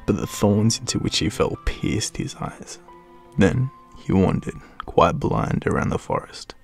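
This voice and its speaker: Gravelly Australian male storyteller. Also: a little mellow. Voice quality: deep, gravelly. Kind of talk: dramatic storybook narration.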